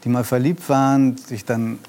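A man co-hosting a talk show who asks a couple questions, pausing to find his words. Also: medium pitch, steady tone, a little mellow. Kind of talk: casual chat.

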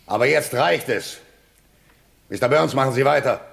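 A stern, impatient warden. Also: male voice, medium pitch, normal speed, gravelly, fairly bright tone. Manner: dry, clipped and impatient. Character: stern male prison warden, curt and unimpressed. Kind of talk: radio play acting.

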